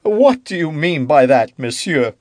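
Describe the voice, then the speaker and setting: A man voicing a fretful, self-pitying king who turns irritable and accusing, with a high, whiny, petulant voice in an audiobook. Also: very animated, a little slow, a little mellow, no echo, clean studio sound. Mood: indignant. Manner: rising into indignant outbursts. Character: fretful, self-pitying middle-aged king, quick to anger. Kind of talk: audiobook character reading.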